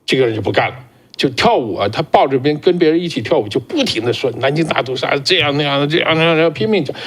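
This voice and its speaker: A man co-hosting a casual political talk show, speaking in an animated way and often repeating words as he starts a sentence. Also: fairly high pitch, fast.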